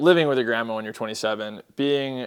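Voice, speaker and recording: The intonation stays fairly even, and the recording is very clean against a silent background. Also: man. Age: 20s. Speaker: car YouTuber. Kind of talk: personal vlog update. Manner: halting, with repeated words.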